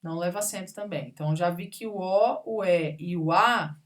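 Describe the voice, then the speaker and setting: A woman's voice: on the low side, a little fast. A woman teaching a grammar lesson, patiently going through examples one word at a time and checking in with her students. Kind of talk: recorded classroom grammar lesson.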